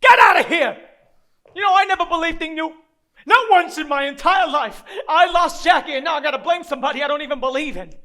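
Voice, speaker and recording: Dramatic monologue: male actor as a self-loathing, grieving loser of a dad, very high strained pitch, bright forceful edge, streetwise and profane. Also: quick pace. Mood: bitter, angry. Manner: rambling, profane, streetwise, talking to an unseen child. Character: down-and-out grieving father, foul-mouthed, self-loathing, desperate loser.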